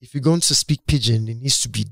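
A man's voice: mid-range voice, fast, gravelly, no echo. Nigerian-born guy, yoruba first language, chatting loose and rambly about his music, plain mid voice, dry close sound. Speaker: guest musician. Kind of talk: casual interview talk.

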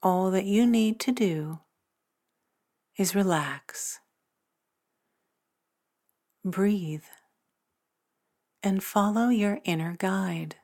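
A woman narrating a guided meditation in a soothing, measured manner with long pauses between phrases. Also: mid-range voice, a little mellow. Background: new-age meditation music.

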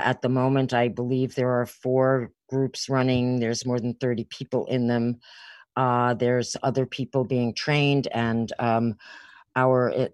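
A woman's voice: a bass voice, a little mellow, no room sound. A woman hosting a podcast, introducing guests with an enthusiastic, welcoming manner. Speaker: podcast host.

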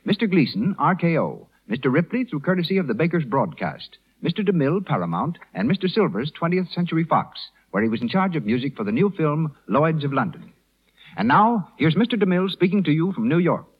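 A radio announcer from an old 1930s broadcast, reading credits in a brisk, formal manner with a lively, swooping pitch. His voice has a husky edge. The muffled vintage recording gives away the era. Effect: old 1930s radio broadcast sound.

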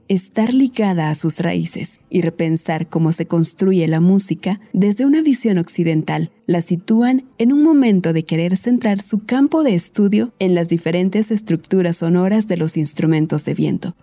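Woman, lowish mellow voice, steady scripted podcast narration, soft music under it. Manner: calm, measured storytelling.

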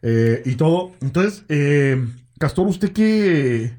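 A middle-aged man with a Guatemalan accent hosting a casual, slangy chat, haltingly, often checking that others agree. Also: a little high, lively intonation, dark tone. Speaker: host.

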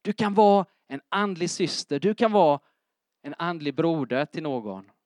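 A middle-aged man preaching a sermon in church, lively and emphatic, often asking his congregation if they are following. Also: a little high, no room sound, clean studio sound. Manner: keeps checking in with the congregation with questions. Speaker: pastor.

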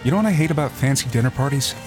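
An actor playing a wisecracking, cocky adventurer in an audio drama, glib and bantering. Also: male voice, mid-range voice, animated, very fast, darkish tone, natural voice. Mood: joking. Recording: music under the voice.

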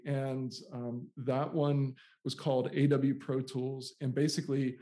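Mellow-voiced American man, rambling guest. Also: mid-range voice. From United States. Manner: rambling, often repeats and restarts words. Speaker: guest, software founder. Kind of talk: conversational interview storytelling.

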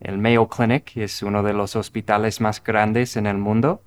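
A middle-aged man from Minnesota with an American accent, speaking Spanish as a learner in a relaxed, thoughtful way. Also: lowish voice. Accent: American English. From Minnesota, United States. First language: English. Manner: unhurried, thoughtful, restarts words. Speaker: guest. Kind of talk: casual conversation.

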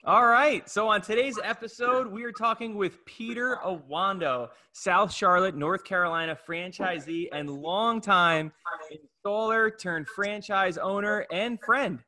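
A man's voice: high-pitched, unhurried, sharp tone. A man co-hosting a podcast, upbeat and easygoing as he introduces and interviews a guest. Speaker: podcast co-host. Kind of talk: podcast hosting, casual chat.

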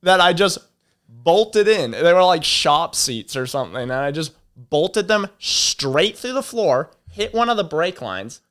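Laid-back young man with smooth voice. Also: fairly high pitch, big pitch swings, measured pace, a bit bright. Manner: rambling, laid-back storyteller, laughs a lot. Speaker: podcast co-host. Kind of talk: casual chat.

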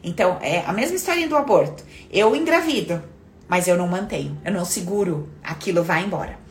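A woman hosting a casual self-help live talk, animated and acting out inner voices, swearing casually. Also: lowish voice, fast.

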